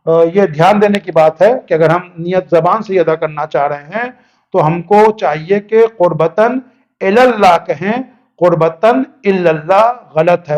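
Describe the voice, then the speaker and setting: A man's voice: fairly high pitch, a little mellow. A male cleric giving a religious lesson, explaining step by step, mixing English words in and repeating points for emphasis. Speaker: Islamic cleric teaching religious rulings.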